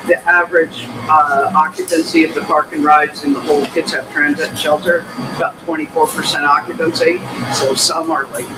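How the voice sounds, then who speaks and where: A man who sits on a transit board, speaking up at a community meeting in a halting, polite way full of fillers. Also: a little high, level tone. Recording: distant mic with background noise.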